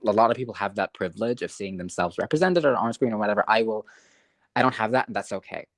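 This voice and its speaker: A young adult podcast co-host gushes about a show in loose, emotional chat, swearing freely. The recording is dry and close, with no room sound. The voice sits at a middling pitch. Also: fast talker, dry recording.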